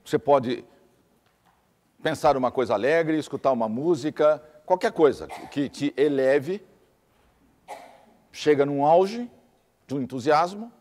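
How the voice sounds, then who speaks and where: A man's voice: a little high, expressive, a little slow, long pauses, a little mellow, big-room sound. A man giving a teaching lecture, explaining step by step with lists and repeated examples.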